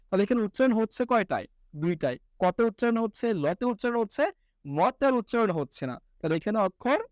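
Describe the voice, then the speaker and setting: A man's voice: sits high, no room sound, clean studio sound. A young man teaching an online lesson, asking questions and answering them himself step by step.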